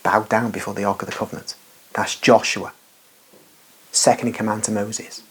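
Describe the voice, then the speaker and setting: A man's voice: fairly low pitch, flat delivery, moderate pace, slight background noise. A man giving an unscripted, rambling religious monologue as a Catholic commentator, emphatic and full of asides and restarts.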